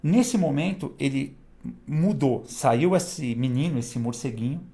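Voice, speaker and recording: A man, a guest telling stories in a casual, animated way and laughing between them. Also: medium pitch, measured pace. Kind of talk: casual storytelling.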